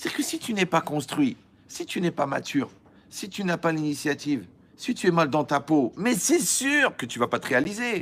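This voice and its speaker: This man's voice sits high for a man and swings very widely in pitch. He speaks at a moderate pace with an animated tone. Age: 60s. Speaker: rabbi. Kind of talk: sermon.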